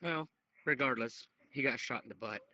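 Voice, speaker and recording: Podcast guest: male, very sharp and tense tone, casual banter, low-fidelity chat audio. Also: moderate pace. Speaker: podcast contributor. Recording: dull, band-limited voice chat.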